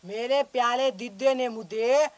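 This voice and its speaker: A simple, childish grown brother-in-law in a comedy skit, whining for treats in lisping baby-talk. The voice sits high and drawls slowly. The sound is dry and close, with no room around it. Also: male voice, no echo. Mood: whiny.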